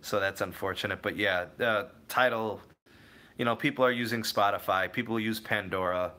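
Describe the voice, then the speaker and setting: Bright-voiced man hosting a tech livestream. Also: fairly low pitch, steady tone, moderate pace. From Cleveland area, USA. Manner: rambling, self-correcting, answers viewers by name. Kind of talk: casual live chat reading viewer comments.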